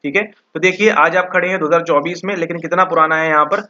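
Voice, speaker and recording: Bright-voiced man lecturing, lo-fi audio. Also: fairly high pitch, fairly even intonation, quick pace. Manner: rhetorical questions answered himself, repeats "ठीक है". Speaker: psychology exam tutor. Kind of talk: online lecture. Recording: dull lo-fi audio.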